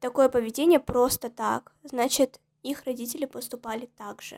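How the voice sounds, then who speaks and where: The voice has ordinary pitch variation and a dry, close sound with no echo. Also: woman. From southern Russia (Krasnodar Krai, Tuapse), Armenian family. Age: young. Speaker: university student. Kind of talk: casual chat.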